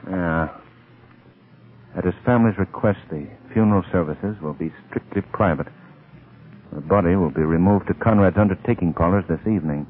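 An actor playing a suave, wry gentleman sleuth in an old-time radio drama, urbane and drily ironic, on a tinny old recording. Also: low-pitched, normal speed, close to an everyday voice. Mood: puzzled, resolute.

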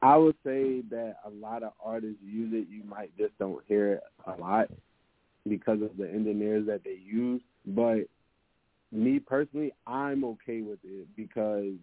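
A man with a low, deep voice talks casually about his music, pausing and restarting often. The sound is thin and phone-like, and it is dry and close, with no room echo. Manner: relaxed, hesitant, lots of fillers and restarts. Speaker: musician guest. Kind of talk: casual interview answers.

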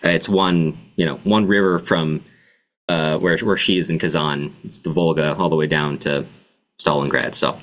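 Male host, deep voice, conversational recap for a literary read-along. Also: fairly even intonation, moderate pace, a bit bright. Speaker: podcast host.

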